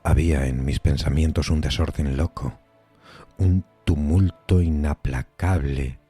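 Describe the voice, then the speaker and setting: A man playing a horror-struck widower in a gothic horror story, narrating theatrically and haltingly, with a husky voice. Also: very deep voice, fairly even intonation, dark tone, soft background music, exaggerated voice. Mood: tense dread. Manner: theatrical, halting, emphatic repetitions. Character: haunted, horror-struck widower recounting his wife's resurrection.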